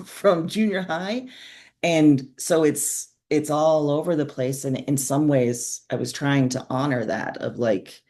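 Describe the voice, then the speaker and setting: Female author as interview guest; low register, reflective, candid, casual delivery. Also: dark tone. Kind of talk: conversational interview.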